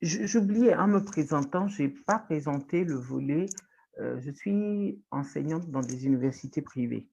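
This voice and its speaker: A woman with a Togolese French accent, a guest on an interview show who teaches journalism, speaking thoughtfully with pauses and restarts. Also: sits low, expressive, gravelly, mellow, breathy edge, muffled recording. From Togo. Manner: thoughtful, with frequent hesitations and restarts. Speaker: guest, writer and journalism lecturer. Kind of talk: reflective interview talk.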